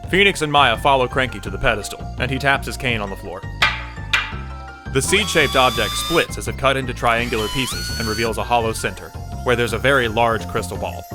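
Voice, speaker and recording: A man's voice: mid-range voice, wildly swooping pitch, a little fast, over music. A man playing the observant storyteller of an audio drama, giving intrigued, descriptive scripted narration. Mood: storytelling.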